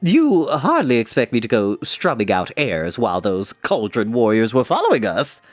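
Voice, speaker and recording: A man's voice: medium pitch, wildly swooping pitch, moderate pace, dry recording, pitched below the performer's own voice. A man voicing a good-natured, boastful bard from a storybook in an airy, theatrical way. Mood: defensive.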